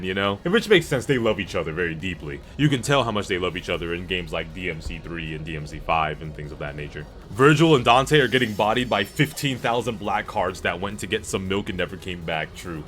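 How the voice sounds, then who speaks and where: Low-voiced man rambling on a gaming livestream. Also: sharp tone. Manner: rambling, slangy, profane. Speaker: livestream host. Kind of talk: casual gaming stream chat, reading and answering viewer comments. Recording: music playing behind the voice. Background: background music.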